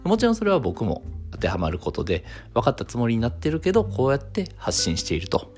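A man, hosting a solo talk radio show and calmly explaining things in a measured way, with many fillers. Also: mid-range voice, faint music behind. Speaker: clinic owner and radio host.

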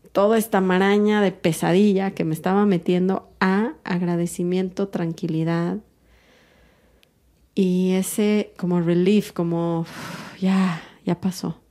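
Calm, reflective woman, mellow voice. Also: fairly low pitch, takes it slowly. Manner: calm, introspective, talks through her own emotions. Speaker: podcast host. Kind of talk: reflective podcast monologue.

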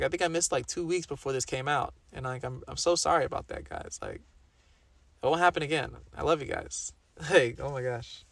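A young man with a slightly raspy voice, chatting casually and rambling through a solo podcast in slangy talk, repeating phrases for emphasis. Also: a little high, a bit bright, dry recording. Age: young adult. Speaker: podcast host.

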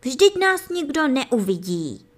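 A woman reading plays a poor wife in a fairy tale. She is curious and coaxing, and her voice sits high. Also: very animated. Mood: pleading. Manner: coaxing and pleading.

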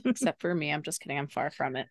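A woman's voice: deep voice, expressive, fast talker, no echo, clean studio sound. A woman co-hosting a sports podcast, chatting with enthusiasm and teasing her co-host. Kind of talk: casual sports chat.

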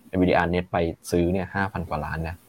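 Low quick guy running thru stock numbers, dry close sound. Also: steady tone, dry recording. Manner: rattles off stock figures and tickers. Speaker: market analyst co-host. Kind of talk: casual market talk show.

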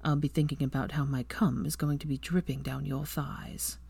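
Lady reading as a brooding young wizard guy, low and hushed, deep dry voice. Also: flat delivery, normal speed, creaky, slightly rough, no echo, exaggerated voice. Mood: low, possessive. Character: young adult male wizard, protective and possessive.

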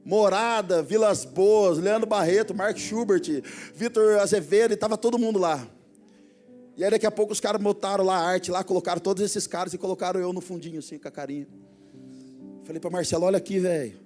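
High-voiced Brazilian pastor preaching. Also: male voice, fairly quick, soft background music. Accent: Brazilian Portuguese. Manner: storytelling, swings from hushed asides to loud exhortation. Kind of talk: sermon. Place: church hall before a congregation.

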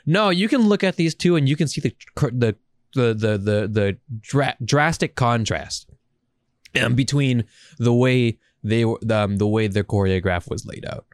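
A man's voice: medium pitch, a little slow, no room sound. Rambling, enthusiastic man chatting, dry sound. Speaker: podcast host. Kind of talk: casual, profane conversation.

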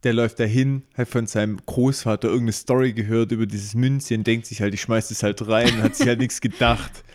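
A man's voice: mid-range voice, fairly even intonation, brisk. A man chatting casually in a podcast, teasing his co-host and stubbornly defending his point. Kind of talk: casual recap chat.

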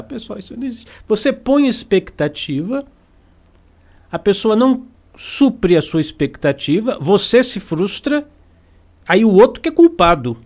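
Brazilian man, spiritual teacher, motivational talk, emphatic, repeats himself, lively rising and falling voice. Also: sits high. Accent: Brazilian Portuguese. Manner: emphatic and repetitive, with acted-out quotes.

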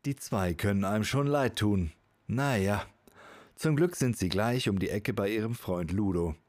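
A man's voice: fairly low pitch, normal speed, a little mellow, no room sound. A man narrating a scripted audio drama as a podcast host.

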